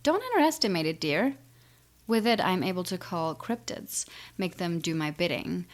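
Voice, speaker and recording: A woman's voice: lowish voice, animated, moderate pace, lightly acted. A woman playing an ancient, menacing siren in an audio drama, taunting and condescending with a theatrical drawl. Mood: intrigued, sly. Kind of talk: audio drama villain acting.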